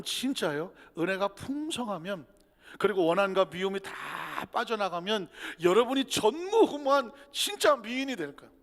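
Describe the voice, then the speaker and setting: A male pastor preaching a sermon in a church, acting out quotes and dropping to whispers for emphasis. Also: high voice. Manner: animated preaching with acted-out quotes and sudden whispers. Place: church sanctuary. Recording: church hall reverb.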